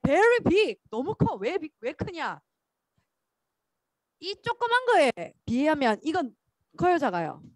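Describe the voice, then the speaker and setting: A woman preaching to children in a church. Her voice sits high and swings widely in pitch as she calls out lines for the kids to repeat. The sound is close and dry. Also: very animated, slow pace, long pauses, no room sound. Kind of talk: sermon to children.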